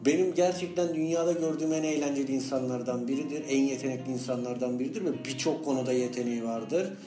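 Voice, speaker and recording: A man's voice: medium pitch, fairly even intonation, fast, dark tone, faint music behind. A man chatting casually as a podcast co-host, teasing and jokey, full of slangy exclamations. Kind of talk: casual banter with a friend. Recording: roomy, echoing room sound.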